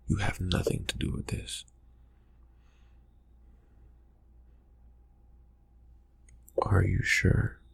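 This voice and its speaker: A man playing a brooding, distracted vampire friend in an ASMR roleplay, murmuring in halting, husky phrases that trail off. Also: heavily acted. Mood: suspicious, guarded. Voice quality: breathy, husky, gravelly low murmur. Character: brooding, distracted young male vampire friend, slyly teasing. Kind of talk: ASMR roleplay, improvised soft talk to the listener.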